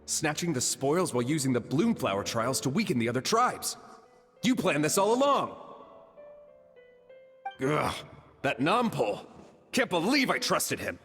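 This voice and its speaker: An actor playing an angry, demanding tribal envoy in a game, confrontational and dramatic. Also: male voice, a little high, big pitch swings, measured pace, pauses often, long reverb tail, soft background music. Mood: bitter realization. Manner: confrontational, forceful wording. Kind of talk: dramatic game dialogue acting.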